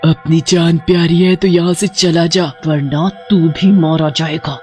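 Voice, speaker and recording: A man voicing a menacing witch wife who chants black-magic spells in a creaky, threatening voice for a horror folk tale. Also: fairly high pitch, flat delivery, a little slow, a little mellow, faint music behind, close to an everyday voice.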